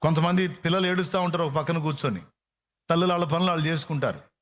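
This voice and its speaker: A man's voice: on the high side, fast talker, a bit bright. A man preaching a sermon with fervor, repeating phrases for emphasis. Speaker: pastor.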